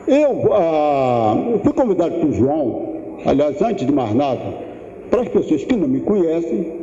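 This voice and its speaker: A man in his seventies lectures slowly and thoughtfully in a voice that sits high yet sounds very dark and mellow. The sound is dull and lo-fi, with a long hall reverb around it. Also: very animated. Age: 70s. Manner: unhurried, thoughtful, with pauses and restarts. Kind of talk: public lecture. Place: large lecture room.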